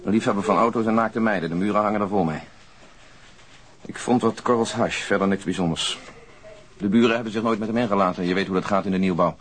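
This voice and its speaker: Actor as low-voiced, methodical detective. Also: male voice, quick pace, slight background noise, natural voice. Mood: matter-of-fact. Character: matter-of-fact, methodical male police detective. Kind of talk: naturalistic Dutch radio drama acting.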